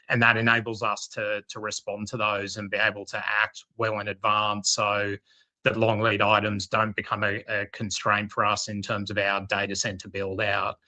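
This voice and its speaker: A man speaking as a company executive on an earnings call, choosing his words carefully with halting, measured phrasing. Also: lowish voice, sharp tone, poor audio.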